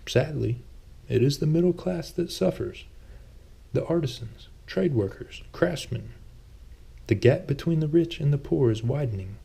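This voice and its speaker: Casting: male narrator as an affable ex-swordsman turned rich jeweler, pitched up, mildly defensive, fantasy storybook. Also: expressive, unhurried, vocal fry, dark tone, breathy edge, exaggerated voice. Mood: earnest, explaining. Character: Thomas, friendly well-off jeweler, former swordsman.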